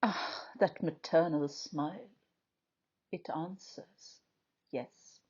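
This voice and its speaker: Female poetry reader, lowish husky voice, solemn and measured dramatic delivery, slightly muffled lo-fi sound. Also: a little mellow. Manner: measured, declamatory, with frequent pauses between short phrases.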